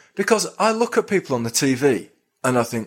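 Medium-pitched man's voice with very wide pitch swings, on a very clean recording with a silent background. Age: 30s. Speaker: poet and comedian. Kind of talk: casual chat.

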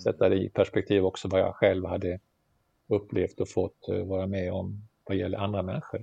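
A man talks at a fairly quick pace in a fairly low pitch, with fairly even intonation. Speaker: retired aid official and whistleblower. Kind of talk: interview. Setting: video call.

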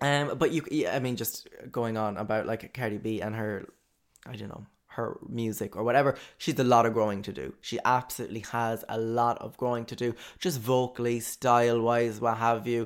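A man with an Irish accent speaks at a fairly quick pace, his medium-pitched voice showing fairly even intonation. The recording is very clean, with a silent background. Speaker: podcast host. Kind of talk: casual solo chat. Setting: home basement recording. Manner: halting, many repetitions and fillers.

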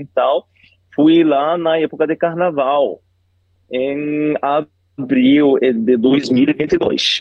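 A man talks with fairly even intonation. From Egypt. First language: Arabic (speaking Portuguese). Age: 30s. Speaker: language learner. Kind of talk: casual chat.

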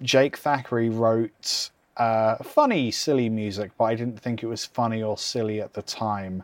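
Fairly slow male speech, medium in pitch and fairly even in intonation. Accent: English. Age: 30s. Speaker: podcast host. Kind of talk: casual chat. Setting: livestream, remote call.

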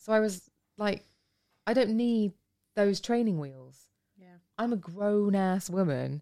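Speaking with a southern English accent, a woman uses a dark, mellow tone and ordinary pitch variation at a fairly slow pace, with long, frequent pauses. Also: medium pitch for a woman, big swings in loudness. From England, Kent. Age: 40s. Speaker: beauty journalist and podcaster. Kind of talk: casual chat.

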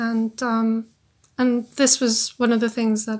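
A woman with an Icelandic accent, fairly high in pitch, monotone and flat, at a fairly slow pace. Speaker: author and historian. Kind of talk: interview. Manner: hesitant, many fillers.

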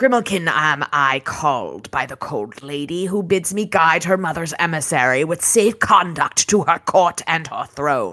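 A woman uses a put-on character voice. Her pitch is fairly low and her pace moderate. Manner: sullen, barely intelligible.

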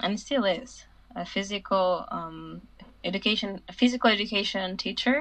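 A woman with a Portuguese accent speaks at a fairly slow pace and medium pitch, with ordinary pitch variation and a quiet background. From Portugal. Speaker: triple jumper. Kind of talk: interview. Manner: halting.

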